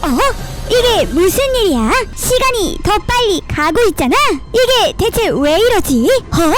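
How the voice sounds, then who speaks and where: A woman voicing a brave, excitable battle hero in a dramatic animated dub, with music behind. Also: very high-pitched, measured pace, exaggerated voice. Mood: alarmed. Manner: dramatic, exclamatory. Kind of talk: animated fan dub, exaggerated voice acting. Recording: loud music under the voice.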